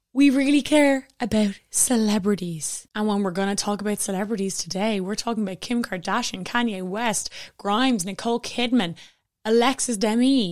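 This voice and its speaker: At a moderate pace, a woman with a plain, everyday voice, fairly high pitch and ordinary pitch variation is heard on a very clean recording with a silent background. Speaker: podcast host. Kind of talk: solo podcast monologue explaining a scandal.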